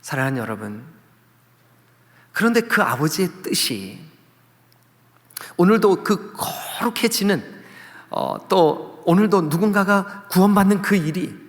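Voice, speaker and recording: A male pastor delivers a sermon, calling questions out to the congregation and voicing the people he quotes. His voice sits fairly high and rises and falls a great deal. A long church reverb trails each phrase. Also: measured pace, pauses often. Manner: lively preaching, quizzing the congregation and acting out quoted voices. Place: church sanctuary.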